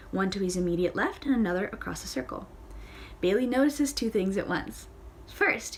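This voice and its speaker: A woman's voice: mid-range voice, slight background noise. A woman reads a novel aloud in a casual way. She often stumbles and corrects herself, and she adds playful side comments of her own. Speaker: audiobook reader.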